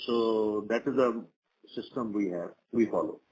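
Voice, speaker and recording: A man's voice: lowish voice, unhurried, darkish tone, slightly rough. A man with an Indian accent answering investor questions as a company executive on a conference call, often repeating words for emphasis. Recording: noisy conference phone call.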